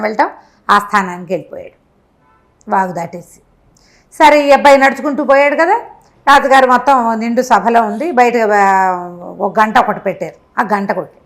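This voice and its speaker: A woman telling a folk moral tale in an animated, chatty, conversational way, with asides to her listener. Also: on the high side. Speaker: storyteller. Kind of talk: spontaneous conversational storytelling of a folk moral tale, acting out dialogue.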